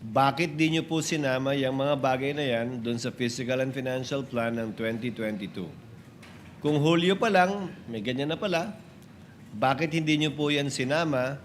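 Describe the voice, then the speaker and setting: A man's voice: mid-range voice, a little hiss or hum. A man with a Filipino accent presiding over a trial, giving formal rulings and questions in a courtroom. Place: in a courtroom hearing, on a microphone.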